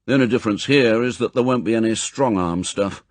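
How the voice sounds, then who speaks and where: A man voicing a gruff, impatient elderly spy chief, brusque and authoritative, in an audiobook. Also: lowish voice, fairly quick, dry recording, natural voice. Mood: brisk, commanding. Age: older. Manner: brusque, authoritative, clipped commands. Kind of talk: audiobook character acting.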